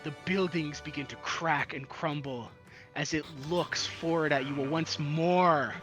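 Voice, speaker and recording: A man's voice: on the high side, fairly even intonation, measured pace. A man narrating as game master of an online roleplay, describing events with dramatic, building intensity. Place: online voice chat. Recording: background music.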